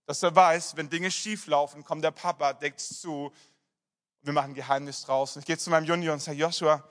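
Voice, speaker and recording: High-voiced pastor preaching a sermon. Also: male voice, steady tone, fairly quick. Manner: personal storytelling, drops to soft emphasis.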